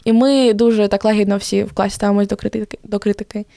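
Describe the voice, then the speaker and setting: Chatty teenage girl, mellow dry voice. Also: mid-range voice, fast, vocal fry, no echo. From Ukraine. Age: teens. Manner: chatty, lively storytelling with many fillers. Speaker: podcast guest. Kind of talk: casual podcast interview.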